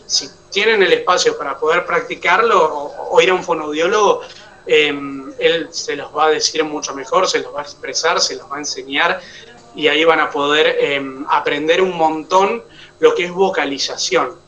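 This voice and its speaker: Teaching an online oratory class, this Argentine-accented man moves step by step and makes sure students are keeping up. He speaks at a moderate pace in a rather high, pushed, bright voice, picked up by a distant mic that cuts off the highs.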